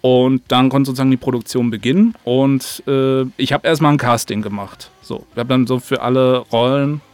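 A man's voice: medium pitch, steady tone, moderate pace, a little mellow, no room sound. A man from Germany chatting casually as an interview guest, talking in a colloquial, loosely rambling way. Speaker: audio drama maker, interview guest. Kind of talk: casual chat.

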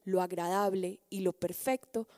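A woman giving a devotional teaching on prayer, told gently with soft endings that sink to a hush. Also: medium pitch, fairly even intonation, normal speed, no echo, clean studio sound, long reverb tail. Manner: gentle, soft, dropping to a hush at phrase ends.

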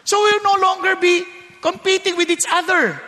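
A man with a Filipino accent voicing a small boy who cries and then shouts with joy, in an echoey hall. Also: extremely high pitch, steady tone, normal speed, voice pushed up, exaggerated voice. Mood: excited. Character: crying little boy, scared then overjoyed. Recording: echoey hall with long reverb.

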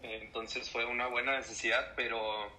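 A young Mexican man in his twenties with a very bright, forward voice. He tells stories in a relaxed interview and acts out the people in them. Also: medium pitch, normal speed, a little hiss or hum, rough recording. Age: 20s. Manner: animated storyteller, acts out voices. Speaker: church musician. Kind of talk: casual interview storytelling.

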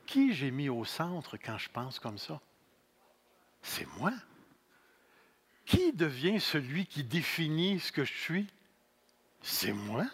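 A man in his sixties with a Québécois accent, preaching a sermon as pastor. He speaks deliberately, repeats key phrases and jokes about himself. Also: on the high side, big pitch swings, breathy edge. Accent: Québécois French. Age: 60s. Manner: slow, deliberate preaching with repeated phrases and self-mocking humor.

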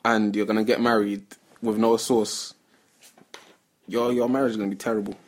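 A man's voice: lowish voice, little pitch movement, normal speed. A man with an urban London street accent co-hosts a podcast in casual, slangy roadman banter, often repeating his phrases. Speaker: podcast co-host.

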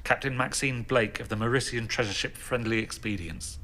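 An actor playing an officer who formally announces speakers in a science fiction audio drama, procedural and official. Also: male voice, medium pitch, moderate pace, bright, forceful tone, lightly acted. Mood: official, neutral. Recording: crowd murmur in the room.

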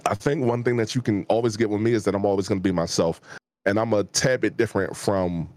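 A man in his 40s from the Washington, D.C. area, with a D.C. accent, appears as a guest in a casual interview; he is a YouTube gaming creator. His low voice sounds dry with no room sound, and he talks quickly in a relaxed, rambling way full of fillers and restarts.

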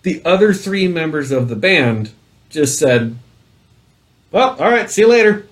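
A man's voice: a little high, sing-song, unhurried. A man in his thirties hosting a casual chat over drinks, ranting with emphatic repetition. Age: 30s. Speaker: host.

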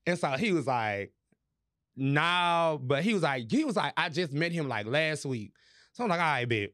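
A man hosting a podcast, telling a story in casual chat, animated and profane, laughing as he goes. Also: on the high side, moderate pace. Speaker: podcast host.

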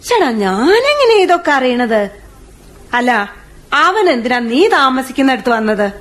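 A sharp-tongued village mother. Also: sits high, very animated, normal speed. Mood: scolding. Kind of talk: radio drama acting. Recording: radio play with music bed.

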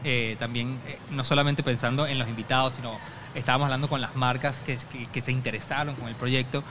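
A man with a Venezuelan accent, hosting a podcast and talking with many quick restarts. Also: medium pitch, fairly even intonation, noisy background. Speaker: podcast host. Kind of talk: casual interview chat.

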